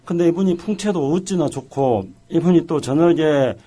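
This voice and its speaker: A man's voice: a little high, normal speed, warm tone. A middle-aged man as a talk show guest, telling stories in a joking, self-deprecating way. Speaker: guest, policy director.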